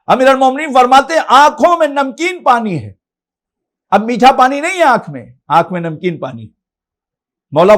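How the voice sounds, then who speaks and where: A man with an Indian Urdu accent preaching a memorial majlis sermon, addressing the congregation directly in rising and falling oratory. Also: high-pitched. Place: studio.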